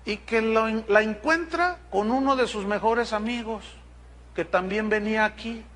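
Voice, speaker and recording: A middle-aged man with a Mexican accent preaching a sermon, telling a congregation story in a direct, animated way with humorous asides. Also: high voice, normal speed. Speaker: pastor.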